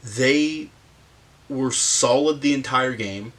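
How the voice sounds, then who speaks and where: A man with a sick, hoarse voice hosting a casual hockey game breakdown, halting with frequent fillers and pauses. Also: mid-range voice, a bit bright. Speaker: hockey commentary host. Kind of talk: casual sports breakdown monologue.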